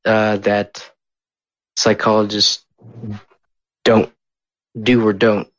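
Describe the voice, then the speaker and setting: A man interviewing a guest in a casual way, halting and tripping over his words. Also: fairly low pitch, monotone, fairly bright tone, no echo, muffled recording.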